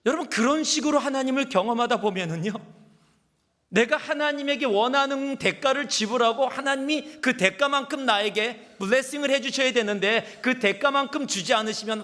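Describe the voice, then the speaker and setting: A man's voice: very high voice, bright, forceful tone. A male pastor preaching a sermon, telling stories and acting out the people he quotes. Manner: storytelling preaching that acts out quoted speakers. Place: church sanctuary. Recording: long reverb of a large church hall.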